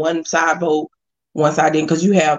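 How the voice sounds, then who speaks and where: Vocal fry colors this woman's speech. Her pitch is very deep and low. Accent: American. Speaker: podcast host. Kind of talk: casual chat.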